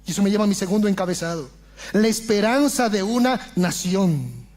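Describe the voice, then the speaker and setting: A pastor preaches with passion in his church, his voice pitched unusually high for a man. He keeps turning to his listeners as brothers, swinging between urgent pleading and quiet earnest explanation. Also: animated, a little fast. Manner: impassioned preaching, often addressing the congregation as brothers. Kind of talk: sermon.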